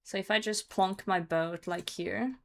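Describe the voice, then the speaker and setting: A woman's voice: mid-range voice, steady tone, measured pace, creaky. A young woman with a mid-range voice is streaming a game while hungover. She talks casually, swears freely, and switches between answering chat and commenting on what happens in play.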